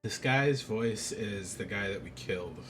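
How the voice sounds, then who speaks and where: A man's voice: on the low side, a little slow, music in the background. A man streaming a video game, giving casual, rambling, informal commentary. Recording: clear background noise.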